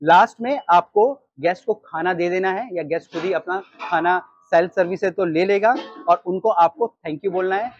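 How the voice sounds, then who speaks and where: A man in his thirties with an Indian accent, teaching restaurant staff how to take orders in an animated way. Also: sits high, moderate pace, highs cut off, soft background music. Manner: animated, gestures while reading from a sheet. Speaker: restaurant trainer. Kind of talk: training talk. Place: storefront of a small takeaway, outdoors. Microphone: lapel mic.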